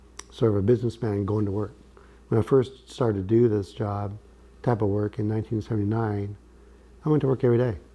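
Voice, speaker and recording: A man with a fairly low, somewhat breathy voice talks at a fairly quick pace with fairly even intonation. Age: 60s. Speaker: businessman with quadriplegia. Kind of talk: interview testimony. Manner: halting, with repetitions and fillers.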